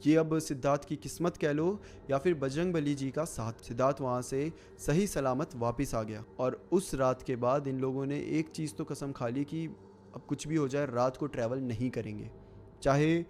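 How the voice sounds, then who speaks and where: A man's voice: medium pitch, moderate pace, a little hiss or hum. Man telling a horror story casually. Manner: conversational, relaxed retelling with fillers. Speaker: horror story narrator and host.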